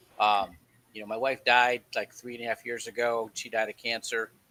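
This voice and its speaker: Heard with a dry, close sound and no echo, the voice has a bright, sharp tone, monotone, flat intonation and a moderate pace. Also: man. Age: 60s. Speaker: former navy seal and public speaker. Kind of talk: casual interview. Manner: halting.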